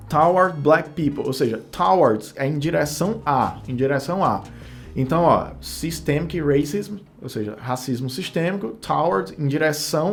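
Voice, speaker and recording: Brazilian guy teacher, kinda gravelly, slightly high voice, faint music behind. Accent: Brazilian Portuguese. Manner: explains word by word, thinking aloud. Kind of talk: casual translation lesson.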